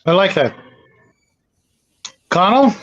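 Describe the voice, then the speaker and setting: A man hosting a casual panel discussion about tabletop gaming, talking in a halting, rambling way and repeating words as he goes. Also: high-pitched, big pitch swings, a bit bright, dull audio.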